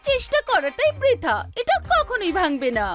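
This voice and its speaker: A woman voicing a fussy grown-up lady guardian in a dubbed cartoon, with a shrill voice and a bossy, proud, lively way of speaking. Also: normal speed, music in the background, heavily acted.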